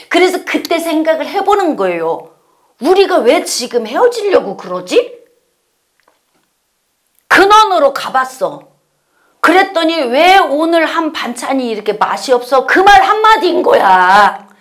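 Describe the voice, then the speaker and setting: A woman pastor giving a Bible study sermon, acting out everyday scenes in quoted voices as she teaches. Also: sits high. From South Korea. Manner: lively, acts out little scenes in quoted voices.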